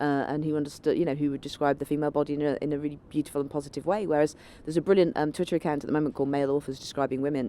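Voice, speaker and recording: A woman's very deep, low voice in a British accent, dark and mellow in tone, at a very fast pace with hardly any pauses. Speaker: journalist and author being interviewed. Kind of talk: interview answer. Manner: fast, animated, humorous.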